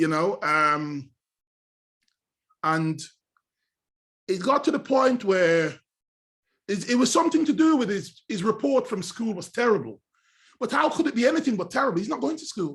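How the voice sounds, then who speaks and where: With an English accent, a man speaks in a high, animated voice with very wide pitch swings and long, frequent pauses. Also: moderate pace. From Jamaica. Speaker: Windrush generation interviewee. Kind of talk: life story interview.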